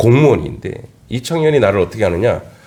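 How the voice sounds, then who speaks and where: Loud and with very wide pitch swings, a man at medium pitch talks over audible room echo. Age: 50s. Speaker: pastor. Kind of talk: sermon. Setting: church.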